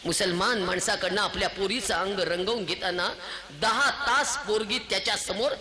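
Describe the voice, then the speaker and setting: A woman's voice: mid-range voice, normal speed, bright, forceful tone. A woman giving an impassioned, scolding speech to an audience, firing off rhetorical questions. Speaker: public speaker. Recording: echoey hall.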